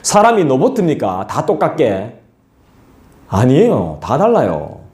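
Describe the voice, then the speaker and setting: Animated pastor preaching in echoey hall. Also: male voice, medium pitch, unhurried. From South Korea. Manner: lively, colloquial, acts out scolding voices and asides to the congregation. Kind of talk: expository sermon. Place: church sanctuary.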